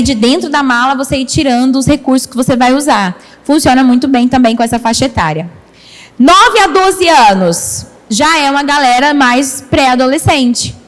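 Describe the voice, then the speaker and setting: A woman pastor from Rio de Janeiro giving a lively training talk to children's ministry teachers in a church hall, acting out little scenes. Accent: Brazilian Portuguese, Rio de Janeiro. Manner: lively, animated, acts out child-teacher dialogue in a high sing-song voice.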